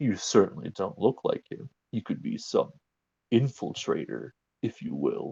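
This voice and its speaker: A man's gruff, put-on character voice at a moderate pace, dry and close with no echo. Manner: suspicious, dim-witted.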